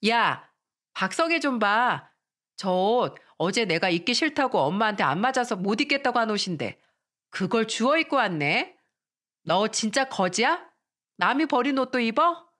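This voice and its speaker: A woman's voice: fairly high pitch, big pitch swings, moderate pace, a bit bright. A woman voicing a spoiled, mocking schoolgirl bully in a radio drama reading. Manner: sneering, mocking.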